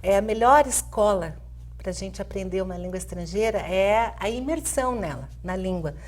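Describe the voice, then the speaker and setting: A middle-aged Brazilian woman who teaches Spanish explains things as an interview guest, using hesitant fillers, frequent "né?" tags and light laughs. She speaks with a Brazilian Portuguese accent in a mid-range voice at a moderate pace.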